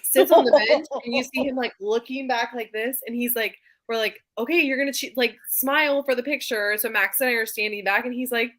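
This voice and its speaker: A woman co-hosting a casual live show, telling anecdotes in an animated way and acting out the dialogue. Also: on the high side, brisk, hardly any pauses. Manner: animated storyteller, acts out quoted dialogue. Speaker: co-host of a book readalong live show.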